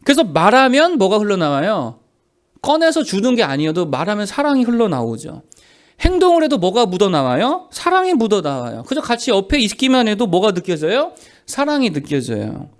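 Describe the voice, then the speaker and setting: A man's voice: high-pitched, wildly swooping pitch, brisk. A man preaching a sermon as pastor, asking the congregation questions and answering them himself.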